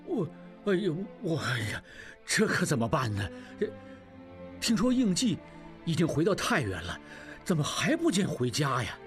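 A man's voice: a little high, wildly swooping pitch, moderate pace, fairly bright tone, faint music behind. An actor playing a flustered middle-aged male head of a household who stammers and exclaims in exasperation. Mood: panicky, fretful. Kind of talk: audiobook drama acting.

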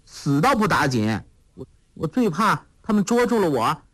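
A man's voice: fairly high pitch, very animated, a bit bright, voice pushed up. A man voicing a clever, playful young woman who talks in a coaxing, sweet way. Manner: coaxing, sweet, quick-witted.

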